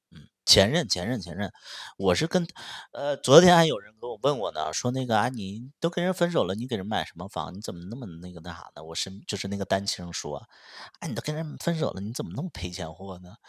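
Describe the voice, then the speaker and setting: A man hosts a casual livestream, telling a story in a lively voice that swings widely in pitch. He stammers, repeats himself and keeps clearing his throat. The sound is dry and close, with no room around it. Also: no echo. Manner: animated venting, stammers and repeats words, clears throat often. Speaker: livestream host.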